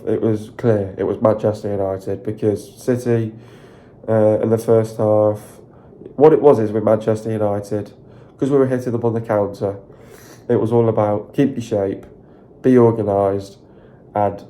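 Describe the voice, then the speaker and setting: A man with a croaky, sore voice, talking at length about his team's win in a loose, repetitive, excited way on his video channel. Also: fairly low pitch. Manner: repetitive, filler-heavy, excited rambling. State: hoarse, sore throat. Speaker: football fan channel host. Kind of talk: casual solo video commentary.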